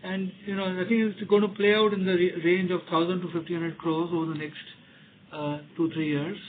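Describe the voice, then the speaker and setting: A man's voice: sits high, level tone, a little fast. A man with an Indian accent answering investors as a company executive on an earnings call, often repeating words as he explains. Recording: tinny phone line with background noise.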